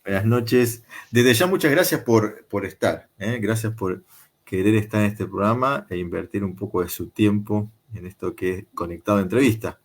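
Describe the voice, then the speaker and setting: A man hosting a video call interview, talking in an unhurried, conversational way with frequent filler pauses. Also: on the low side. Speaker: interview show host.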